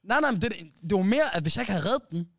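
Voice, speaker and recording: Male podcast host, lively storyteller, slangy, dry close mic. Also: sits high, dry recording. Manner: animated storyteller, many restarts, slang like "bro" and "wallah". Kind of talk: casual storytelling chat.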